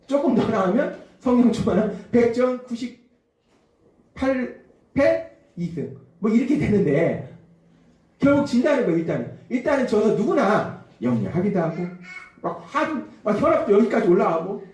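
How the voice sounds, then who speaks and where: A man preaching a Sunday sermon, acting out quoted voices and dropping to a hush at times, recorded from a distance in a church. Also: high-pitched, moderate pace. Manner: animated, acts out quoted voices, drops to a hush. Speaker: pastor. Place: church sanctuary. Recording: echoey church hall from a distant mic.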